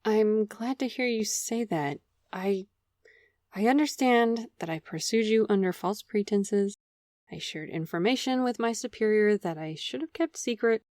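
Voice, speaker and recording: A woman's voice: medium pitch, lively intonation, measured pace, a little mellow, dry recording, clean studio sound, natural voice. A woman playing a contrite but hopeful city official in an audio drama, formal and apologetic in manner. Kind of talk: audio fiction acting.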